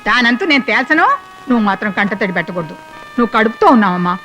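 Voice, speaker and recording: A woman's voice: a little high, expressive, pushed and bright, faint music behind. Fiery scolding old grandmother. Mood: reassuring. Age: older. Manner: scolding, mocking, rapid-fire insults. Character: fiery sharp-tongued old grandmother, bossy and devout. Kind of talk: film comedy acting.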